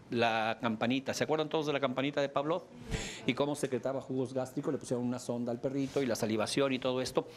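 Mexican instructor, middle-aged man, joking and animated classroom lecture, mid-pitched voice. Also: slight background noise. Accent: Mexican Spanish. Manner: joking, animated, bursts into high exclamations.

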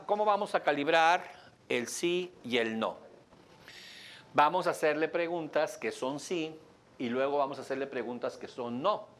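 A man with a Mexican Spanish accent leading a live workshop demonstration for an audience, explaining in a lively, joking way and laughing often. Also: fairly high pitch. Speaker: workshop instructor. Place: training room with an audience.

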